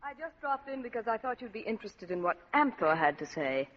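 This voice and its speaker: A woman's voice: fairly high pitch, very animated, a little fast, slight background noise. Sex: woman. Figure: a coy, scheming society wife. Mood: flirtatious. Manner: coy, teasing. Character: flirtatious, scheming wealthy married woman. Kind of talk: 1940s radio acting. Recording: muffled old radio broadcast with music.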